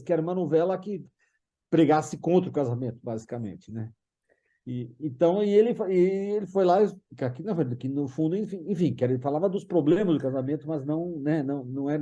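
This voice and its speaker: A man's voice: on the high side, fast talker, warm tone, dull audio. A Brazilian man explaining things casually in a panel chat, digressing and restarting, with frequent tag questions. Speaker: panel participant discussing a TV writer's work.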